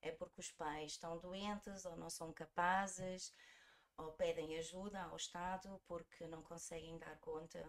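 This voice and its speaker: A woman's voice: on the low side, steady tone, normal speed. A woman in her forties from Germany with a European Portuguese accent, telling her story conversationally as a podcast guest. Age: 40s.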